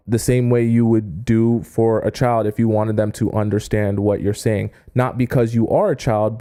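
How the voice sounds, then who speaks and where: Man coaching with slow, emphatic stress. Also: medium pitch, mellow, clear, resonant tone. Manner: reads viewer chat aloud and answers it. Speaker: dating coach. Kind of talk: livestream advice talk.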